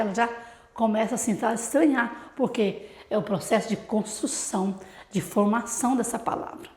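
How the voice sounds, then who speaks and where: Brief: Brazilian woman teacher, higher voice, talks teachers through a method with rhetorical questions, echoey room. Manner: explanatory, with rhetorical questions to the audience. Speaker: literacy teacher.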